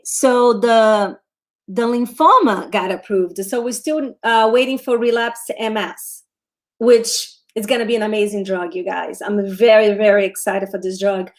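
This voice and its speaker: A woman with a Brazilian accent talks stocks on a casual live show. She speaks at a middling pitch, chatty and loose, often restarting her sentences as she answers viewers' questions. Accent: Brazilian Portuguese. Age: 40s. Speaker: show host, trader. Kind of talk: livestream stock commentary.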